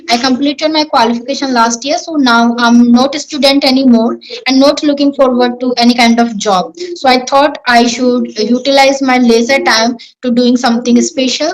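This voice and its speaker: A woman's voice: on the high side, poor audio. A young woman from Rajasthan with an Indian accent, a Marwari speaker answering questions on an English practice call, with careful, rehearsed sentences and fillers. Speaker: English learner. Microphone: online call.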